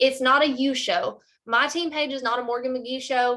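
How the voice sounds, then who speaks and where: A woman speaks in a Southern US accent at a high pitch. The recording is very clean, with a silent background. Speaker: direct sales team leader. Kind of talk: leadership training call. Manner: animated.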